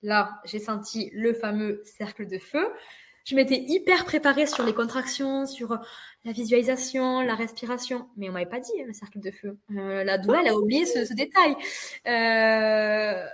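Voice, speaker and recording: Woman, twenties, fairly high voice, podcast guest, casual storytelling, vivid, expressive. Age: 20s. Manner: vivid, expressive retelling with quick asides.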